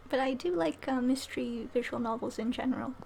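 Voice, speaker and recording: A woman's voice: sits high, a little fast, creaky, a little mellow. A woman giving casual live commentary as a game streamer. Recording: faint background noise.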